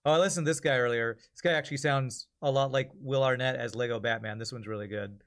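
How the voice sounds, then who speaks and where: A man's voice: medium pitch, fairly even intonation, quick pace, a bit bright. A man hosting a livestream, chatting informally and thinking aloud to his viewers. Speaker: livestream host. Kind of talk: casual chat to stream viewers.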